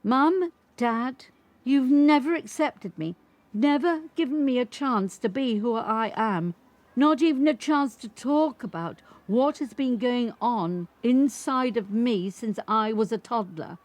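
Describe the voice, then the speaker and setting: An older woman voicing a proud, defiant eighteen-year-old trans woman in a clear, firm, declamatory dramatic monologue. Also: on the high side, lively intonation, slow pace, a little mellow, voice pushed up. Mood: hurt, defiant. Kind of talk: dramatic monologue, quoted speech.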